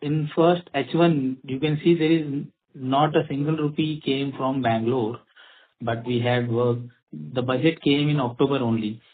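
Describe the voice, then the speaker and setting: An Indian-accented man, a company executive, explaining in a halting way as he answers questions on an earnings call. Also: mid-range voice, steady tone. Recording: tinny phone line with clicks and noise.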